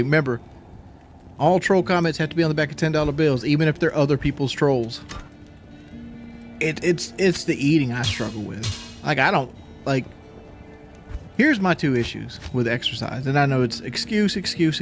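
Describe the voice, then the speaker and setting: A man's voice: mid-range voice, moderate pace, faint music behind. A man chatting casually on a live stream, out of breath after a workout, rambling and repeating himself as he talks.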